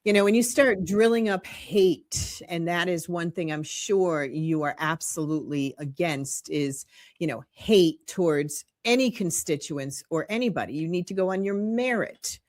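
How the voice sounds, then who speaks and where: Woman, lowish voice, host, supportive leading questions. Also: a little slow. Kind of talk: interview.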